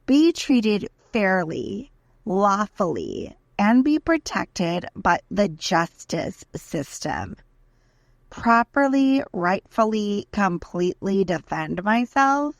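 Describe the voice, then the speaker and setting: A woman performs a dramatic reading of a letter as a desperate, aggrieved defendant pleading her case, indignant and emphatic. Her medium-pitched voice swings widely as she lays out points in a deliberate, list-like way, with no echo.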